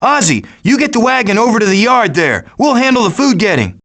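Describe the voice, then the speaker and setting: Urgent and bossy, a man plays a cocky raccoon leader of foraging animals, tossing off sarcastic wisecracks like a cartoon game character. He talks high and a little fast in a full character voice.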